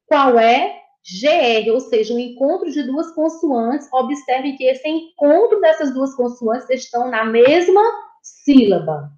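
A woman's voice: high voice, animated, measured pace, a little mellow. A Brazilian Portuguese woman teaching a recorded lesson to young children, patient and encouraging, repeating each point and praising answers. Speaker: primary school teacher. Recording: dull, echoey room.

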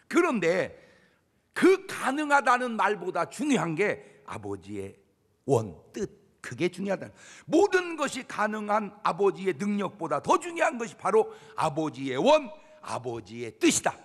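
A male pastor delivers an animated sermon and acts out the prayers he describes. His voice sits high and swings widely in pitch. It is slightly husky, and a long church reverb follows every phrase. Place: church sanctuary.

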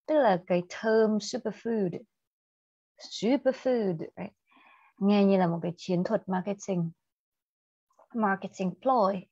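A young woman teacher with a Vietnamese accent leads an online IELTS class, mixing Vietnamese and English and quizzing her students. She speaks slowly and deliberately. The sound is dry and a little muffled. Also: medium pitch, a little mellow, dry recording. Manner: mixes Vietnamese and English, asks students questions. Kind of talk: livestream English lesson.

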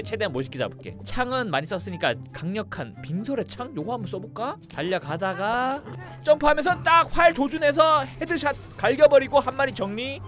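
A young man with a very high, bright voice commentates his gameplay with wild swings in pitch. He gets excitable, shouts and teases the enemies, with faint game music underneath. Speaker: gaming streamer. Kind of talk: let's play commentary.

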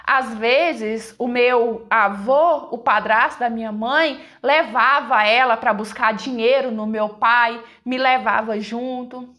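A woman with a fairly high voice tells a dramatic first-person story, emotional and conversational. She addresses her listeners directly as she goes, like someone confiding a personal tale. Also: takes it slowly, hardly any pauses, a bit bright.

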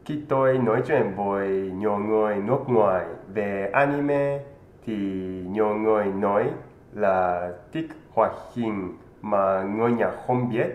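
A man with a Japanese accent speaks slowly and carefully, like someone presenting in a learned language. His pitch is mid-range, and the room rings noticeably around his voice, with a slightly dull sound and faint noise. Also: roomy sound. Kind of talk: scripted presentation with rehearsed phrases. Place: indoor room with green screen.

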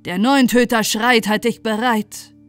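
A woman's voice: a little high, fairly even intonation, a little slow, clean tone, natural voice. A woman voicing a cruel, murderous lord in a fairy tale, commanding and impatient. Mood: menacing command. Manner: commanding, threatening. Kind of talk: fairy-tale storybook acting. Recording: music bed under the voice.

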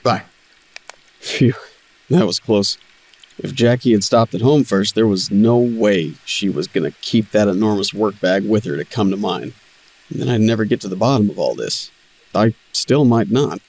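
A man's voice: lowish voice, animated, normal speed, darkish tone, poor audio. An actor playing an anxious, scheming young man in a casual audio drama style.

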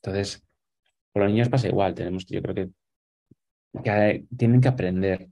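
Deep gravelly man on a video call. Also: steady tone, normal speed, mellow. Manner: thoughtful, explaining with many fillers and restarts. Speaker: guest. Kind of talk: casual conversation on a video call. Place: small room at home. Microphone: webcam on a video call.

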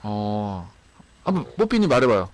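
A man in his thirties streaming live from a small room on a headset mic, loud and excitable, often laughing. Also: fairly low pitch, moderate pace. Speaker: game streamer. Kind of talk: casual live-stream chat.

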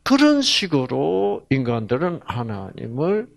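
A man preaching a sermon in a lively, animated way, asking the audience questions and acting out voices. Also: mid-range voice, a little slow, gravelly, no room sound. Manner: animated, rhetorical questions, acts out voices in regional dialects.

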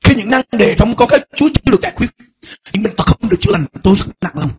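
A middle-aged male pastor preaching a fervent sermon, dropping to a hush and then rising to shouts. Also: high-pitched, sing-song, racing, slightly rough. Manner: impassioned preaching, swings between hushed and shouted.

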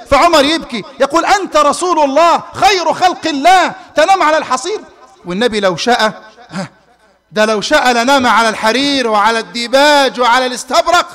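A man giving a Friday sermon in a mosque in colloquial Egyptian Arabic, swinging between loud emphatic peaks and soft asides. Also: very high voice. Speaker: preacher. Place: mosque hall. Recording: reverberant mosque hall livestream.

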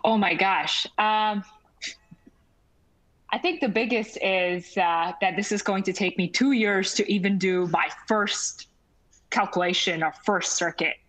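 A young woman answering questions on a video call panel, casual and animated. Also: mid-range voice, unhurried, poor audio. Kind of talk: panel discussion.

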